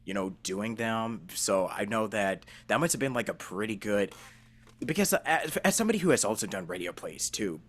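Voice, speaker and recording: Speaking in a lowish, expressive voice at a moderate pace, an interview host who is also a voice actor rambles through a casual chat, full of slang and informality.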